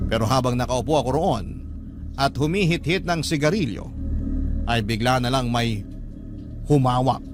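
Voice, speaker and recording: A man narrating a first-person ghost story in an earnest, confessional way. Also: mid-range voice. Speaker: narrator reading a listener's story. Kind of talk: scripted dramatic narration. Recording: music clearly underneath.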